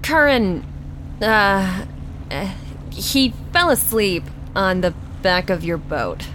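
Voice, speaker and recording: An exasperated, protective young woman played by an actress in an audio drama. Her voice sits at a middle pitch, with clear engine and outdoor noise behind it. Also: animated, takes it slowly, fairly bright tone. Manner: exasperated, sighing. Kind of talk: audio drama acting and narration.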